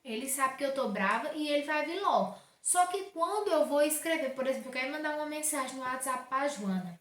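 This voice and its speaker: A Brazilian woman teaching a remote lesson to children, speaking warmly and often checking in with the class. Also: high voice, animated, fairly quick. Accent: Brazilian Portuguese. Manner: warm teacher talk, checks in with "certo?" often. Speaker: primary school teacher. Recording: roomy echo, distant from mic.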